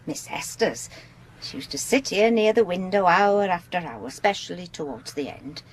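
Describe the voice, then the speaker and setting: A woman's voice: on the low side, lively intonation, normal speed, close to an everyday voice. Welsh housekeeper lady acted by a woman, chatty and polite, lilting up and down, old radio drama. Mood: deferential, chatty. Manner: homely, deferential, talkative. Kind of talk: 1980s British radio drama acting.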